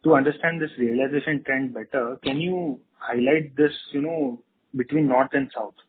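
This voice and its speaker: A man's voice: medium pitch, normal speed, husky. A man, an analyst putting methodical follow-up questions on an earnings call. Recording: phone-line conference call audio.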